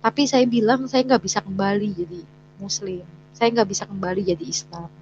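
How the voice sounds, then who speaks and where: A woman's voice: mid-range voice, a little fast, a little mellow. A woman sharing her personal testimony as a story, hesitant with many fillers and restarts, sometimes voicing what people said. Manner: acts out quoted dialogue in her story. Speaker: guest sharing a conversion testimony. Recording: dull lo-fi recording with faint hum.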